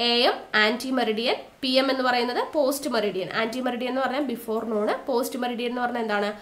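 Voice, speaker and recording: A woman teacher with a Malayali accent giving a recorded exam-prep lesson, asking questions and answering them herself, and repeating key terms slowly. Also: a little high, a bit bright.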